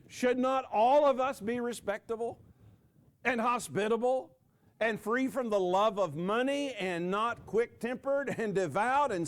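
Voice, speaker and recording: Lively older male preacher, slow and emphatic. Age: 60s. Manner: dramatic pauses, voice dropping low on key words; jokes with the audience. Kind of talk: sermon.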